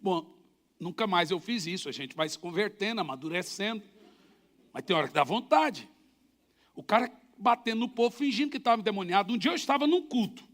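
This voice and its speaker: A man's voice: high voice, a little fast. A middle-aged man with a Brazilian Portuguese accent, a pastor preaching a sermon and telling stories with sound effects. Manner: animated storytelling with sound effects.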